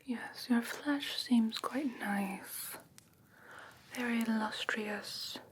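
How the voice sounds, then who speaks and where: A woman's voice: on the high side, very slow. Woman playing a whispering, haughty fae creature, noisy recording. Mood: curious, musing. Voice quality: soft breathy whisper. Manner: hesitant, musing, matter-of-fact, gently condescending. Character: haughty, curious fae woman inspecting a human pet. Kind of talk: whispered ASMR fantasy roleplay.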